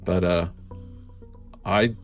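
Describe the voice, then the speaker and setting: A man's voice: low voice, steady tone, drawn-out words, faint music behind. A man reviewing a collectible figure in a laid-back, rambling way, sounding congested from a cold. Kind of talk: casual unboxing review.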